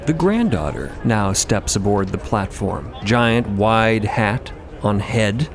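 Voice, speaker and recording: A man's voice: lowish voice, expressive, slow. A man delivering scripted dramatic narration as the narrator of an audio story. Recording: noticeably noisy ambient bed behind voice.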